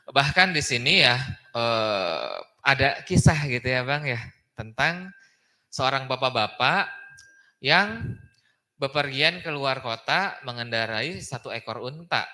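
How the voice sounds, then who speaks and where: This preacher leads a relaxed Islamic study session at a mosque, his medium-pitched voice animated, bright and pushed. He takes his time, leaving long pauses, and chats along while often ending phrases with "gitu kan ya" as a questioning tag.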